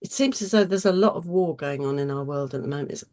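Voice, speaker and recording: Husky woman hosting a webinar. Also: low voice, fast, mellow. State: getting over a cold. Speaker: host chairing an online webinar. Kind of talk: informal presenter's welcome and introductions.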